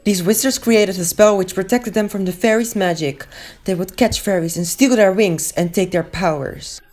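A woman plays a stern older female teacher at a cartoon fairy school. She lectures gravely and with authority at a middle pitch, in an amateur dub with faint music behind her. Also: normal speed, darkish tone, lightly acted. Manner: grave, explanatory. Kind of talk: fan-dub cartoon acting.

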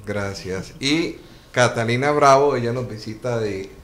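A man's voice: medium pitch, a little slow, a bit bright. A man hosting a live interview program. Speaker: program host.

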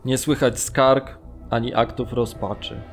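A man acting a camp prisoner in a radio drama, narrating gravely and with measured restraint, as testimony. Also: medium pitch, level tone, soft background music, close to an everyday voice. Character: male Polish camp prisoner recalling brutality, grave, restrained. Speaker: narrator reading witness testimony.

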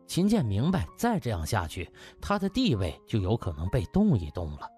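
A man's voice: lowish voice, huge pitch swings, moderate pace, darkish tone, soft background music. A man narrating a novel as a dramatised audiobook.

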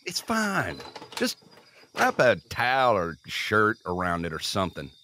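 A man's voice: lowish voice, wildly swooping pitch, measured pace, sharp tone, slight background noise, full character voice. An actor playing a wounded, stubborn, panicky man in a scripted audio drama, his voice strained. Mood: wary, irritated.

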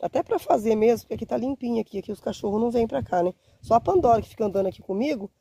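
A woman in her forties, slightly hoarse from a cold, chatting warmly to her phone camera outdoors in a windy garden. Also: a little high, rapid-fire. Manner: warm, chatty, often says "gente" and diminutives. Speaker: gardening vlogger. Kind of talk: casual chat to camera. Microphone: phone camera held at arm's length. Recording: faint wind noise outdoors.

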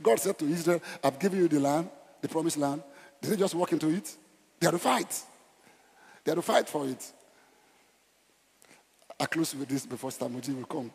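A man's voice: a little high, moderate pace, long pauses, a little mellow, husky. A middle-aged Nigerian man preaching an evangelistic sermon, emphatic and exhorting, in short repeated phrases with a conversational turn. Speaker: pastor. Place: large church auditorium, on stage. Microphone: headset. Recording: echoey church hall sound.

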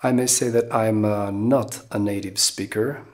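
Filmed close up at face level in a small room, this Albanian-accented man in his forties from the Eastern Balkans teaches English directly to camera. His fairly low, fairly even voice falters often, full of ums and uhs, as he keeps checking in with "okay?".

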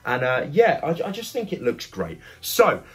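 A man's voice: a little high, huge pitch swings, moderate pace, slightly rough. A young man hosting a casual, chatty video review, talking informally and directly to his viewers. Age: young adult. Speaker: YouTube host and product reviewer.

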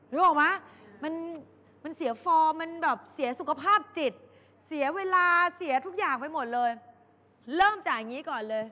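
A woman hosting a TV talk show, chatting to viewers with comic advice and acting out little quoted voices. Her voice is high and bright. A long reverb hangs around her in the studio.

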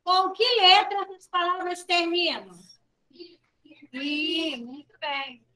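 Slow, bright-voiced woman teaching. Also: very high-pitched, steady tone, poor audio. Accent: Brazilian Portuguese. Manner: slow, patient, spells out syllables and letters. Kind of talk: video lesson for children.

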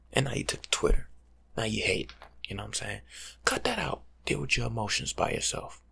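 A young American man doing a casual, slangy ASMR life coach roleplay in a hushed, breathy half-whisper, close to the mic. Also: on the low side. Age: young adult. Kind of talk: ASMR roleplay monologue, softly spoken and whispered. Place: small room at home, indoors.

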